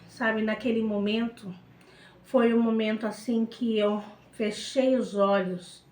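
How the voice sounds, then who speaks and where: Middle-aged woman with a Brazilian accent, raised pitch, emotional and repetitive testimony, roomy echo on the recording. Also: mellow. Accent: Brazilian Portuguese. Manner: emotional, repetitive, keeps turning to the listeners. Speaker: testimony speaker. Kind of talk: personal faith testimony.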